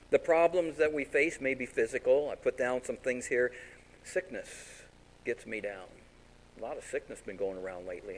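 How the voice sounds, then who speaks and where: A man's voice: medium pitch, slight background noise, poor audio. Give me a folksy male pastor preaching a sermon. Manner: folksy, animated storytelling with acted-out voices.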